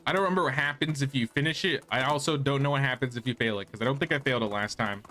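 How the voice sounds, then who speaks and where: A man's voice: medium pitch, racing, pushed and bright, faint music behind. A man streaming a game, giving casual live commentary with dry, wry asides.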